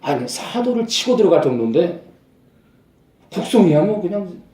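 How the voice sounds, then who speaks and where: A man's voice: high voice, big pitch swings, moderate pace, warm tone, roomy sound. A male pastor preaching a sermon emphatically, repeating phrases and raising his voice to stress his points.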